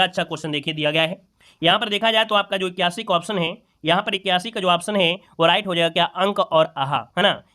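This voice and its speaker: A man's voice: high-pitched, sharp tone. A man teaching an exam-prep lesson, going through questions and repeating each question and answer with rhetorical checks to the listeners. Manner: addresses listeners as friends.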